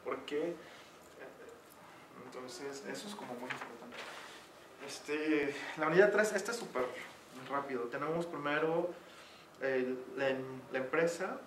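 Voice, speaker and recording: Mexican guy tutoring, lots of fillers, roomy echo and noise behind, sits back from the mic. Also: medium pitch. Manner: chatty, uses many fillers. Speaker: teacher. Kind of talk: online tutoring session. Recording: echoey room, distant mic, noisy.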